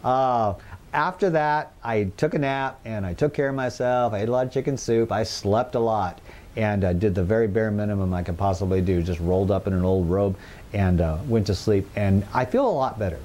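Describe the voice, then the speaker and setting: A man's voice: on the low side, fairly quick, a little mellow. Cheerful man on a garden patio. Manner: upbeat, reassuring, chatty. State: recovered, slight leftover throat. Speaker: gardening channel host. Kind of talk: casual gardening tutorial. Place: outdoor patio garden full of potted plants.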